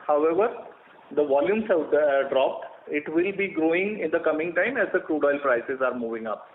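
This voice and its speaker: A man with an Indian accent, a company executive answering analysts on an earnings call in halting, explanatory phrasing. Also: fairly high pitch, lively intonation. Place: conference call over a phone line. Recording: phone-like, echoey line with faint noise.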